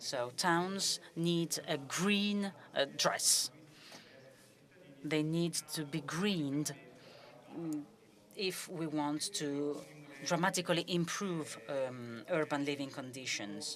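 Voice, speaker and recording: Very slow and full of long, frequent pauses, a woman's very deep, low voice moves with ordinary pitch variation. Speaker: simultaneous interpreter at a conference. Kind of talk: interpreted conference talk. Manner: halting, many fillers.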